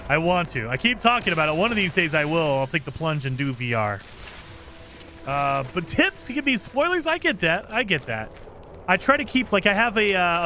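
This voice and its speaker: A man streaming a game live, chatting casually and reading viewer comments, with a voice he calls high-pitched for a man. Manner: chatty, lively, self-deprecating.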